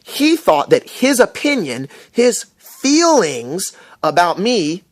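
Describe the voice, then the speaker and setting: A man's voice: sits high, very animated, takes it slowly, no room sound, studio quality. Indignant American man ranting to camera. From USA. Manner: rambling, frequent fillers, indignant. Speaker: vlogger recounting an incident. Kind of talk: casual storytelling rant to camera.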